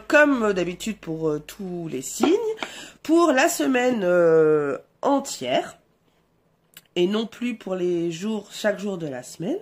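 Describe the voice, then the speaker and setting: A French woman with a cold and a stuffy nose, giving a casual tarot reading, hesitant with many fillers. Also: a little high. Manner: slow, hesitant, many fillers, addresses viewers warmly as her "essentiels". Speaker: tarot reader. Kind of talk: casual tarot guidance vlog.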